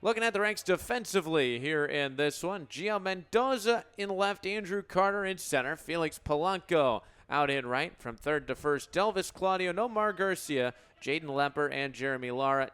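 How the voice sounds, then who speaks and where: A young American man does radio baseball commentary in a smooth, crisp voice pitched a bit high. He describes the action in short, clipped phrases as a play-by-play broadcaster. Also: moderate pace, a bit bright. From United States. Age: 20s.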